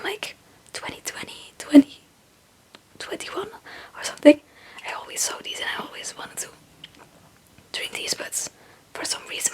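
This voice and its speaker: A young woman, a native Dutch speaker, whispering breathily in a rambling, halting, casual ASMR chat. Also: very high-pitched, low-quality recording. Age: young adult. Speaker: ASMR video creator.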